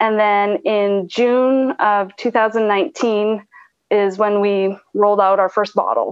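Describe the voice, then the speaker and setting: Speaking very slowly with a Canadian accent, a woman keeps a medium pitch, a fairly even intonation and very even loudness. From Canada. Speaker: dairy farmer. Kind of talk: interview.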